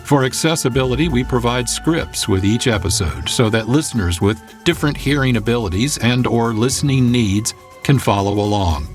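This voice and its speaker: A man, producer and host, reading scripted credits in a measured, formal way. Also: mid-range voice. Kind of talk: scripted outro announcement.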